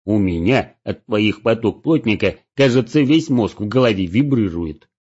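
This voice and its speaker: A man's voice: lowish voice, lively intonation, normal speed, darkish tone, husky. A man voicing an impatient, grumbling male elf adventurer. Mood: irritated. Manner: grumbling, whiny. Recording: dull lo-fi recording.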